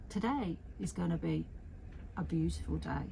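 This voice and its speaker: The pace is moderate. A woman talks with an English accent. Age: 50s. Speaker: artist and vlogger. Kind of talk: casual talk to camera. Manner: chatty, rambling.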